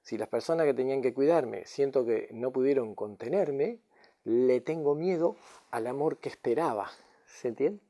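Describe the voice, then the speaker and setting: A man's voice: mid-range voice, moderate pace, mellow. A man teaching as a spiritual guide and therapist in a reflective talk, often checking in with a questioning "mm?" or "no?". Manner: tags lines with questioning "mm?" and "no?" to check understanding.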